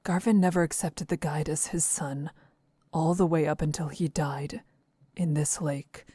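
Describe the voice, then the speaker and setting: A woman's voice: low voice, fairly even intonation, a little slow, warm tone, husky, no echo, clean studio sound. An actress playing a composed, reserved young woman traveler in a visual novel, speaking formally and with restraint. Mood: quietly reproachful.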